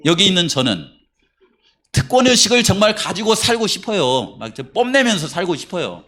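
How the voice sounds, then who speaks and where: A middle-aged man preaching in a church with a bright, ringing voice that sits high for a man. His delivery is lively and chatty, full of questions to the congregation. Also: a little fast. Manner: conversational, animated preaching with rhetorical questions to the congregation. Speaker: pastor. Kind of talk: sermon. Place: church sanctuary.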